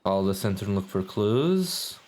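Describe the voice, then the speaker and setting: Low-voiced casual male streamer. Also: sing-song, moderate pace, darkish tone. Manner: loose, chatty, swears casually. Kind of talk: casual live gameplay commentary.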